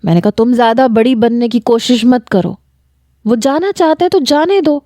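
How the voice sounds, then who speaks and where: Woman reading as a harsh commanding man, raised pitch when angry, mellow dry tone. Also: dry recording, natural voice. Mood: dismissive. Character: stern, short-tempered man, a widowed father. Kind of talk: dramatic story reading.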